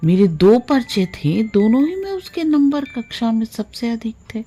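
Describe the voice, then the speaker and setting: Woman reading a short story aloud, real slow n mellow, drawn-out phrases, music behind her. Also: fairly high pitch, very animated. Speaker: audiobook narrator. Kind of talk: literary short story narration.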